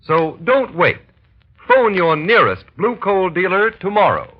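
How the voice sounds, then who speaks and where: A male radio announcer from the 1930s gives an upbeat, emphatic sales pitch. His voice sits fairly high and rises and falls with lively swings. The recording is muffled, with faint music behind him. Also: unhurried.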